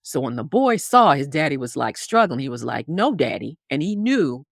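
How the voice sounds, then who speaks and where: A woman's voice: extremely low pitch, big pitch swings, normal speed, gravelly, no echo, studio quality. A woman guest telling a story in conversation, acting out characters with big swings in voice. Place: Harlem upbringing.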